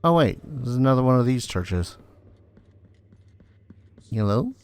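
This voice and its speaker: A man's voice: mid-range voice, animated, measured pace, a little mellow, soft background music. A man giving casual let's play commentary, musing aloud in a dry, mildly irreverent way. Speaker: gaming video host.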